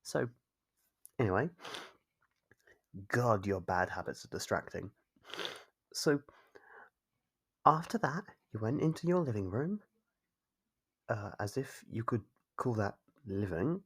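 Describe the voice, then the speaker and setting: Husky, creaky possessive stalker, acted out. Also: medium pitch, very animated, exaggerated voice. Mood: doting, smug. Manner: coaxing, chiding, drawn-out teasing questions. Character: possessive obsessive stalker captor, mockingly doting and scolding. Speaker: voice actor. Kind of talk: ASMR roleplay monologue.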